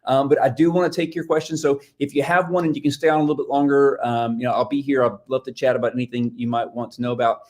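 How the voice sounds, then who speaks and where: Man, publicist, casual presenter, filler-heavy, middle-pitched voice. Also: flat delivery, fast talker, few pauses, a little mellow. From Nashville-based. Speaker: book publicist, guest expert. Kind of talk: live-stream presentation.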